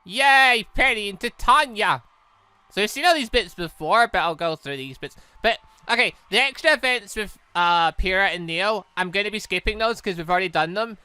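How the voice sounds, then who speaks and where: A man hosting a gaming video, giving animated let's play commentary and reading a visual novel aloud as he reacts. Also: high-pitched, moderate pace, smooth, dry recording.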